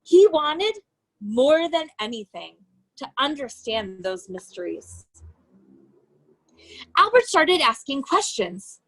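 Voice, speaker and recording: A woman with a high voice reads a picture book to young children. Her delivery is very animated, rising and falling widely in pitch. She phrases each sentence deliberately and leans on the key words like an educator telling a story. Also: rough recording. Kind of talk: children's storybook read-aloud.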